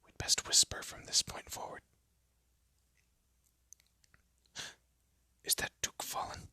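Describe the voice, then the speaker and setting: In a scripted roleplay audio drama, a man voices a haughty young elf prince who is secretly soft, using a pompous, formal manner broken by flustered stammering. His breathy voice is whispered and hushed, the pace is a little fast, and the mood is tense.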